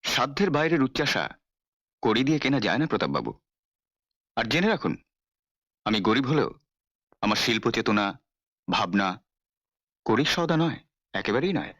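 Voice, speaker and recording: An actor playing a proud, poor young artist who speaks with dignity in a film drama. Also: male voice, medium pitch, big pitch swings, normal speed, pauses often, fairly bright tone, no echo, dull audio. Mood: defiant. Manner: dignified, defiant. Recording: dry film soundtrack with faint music.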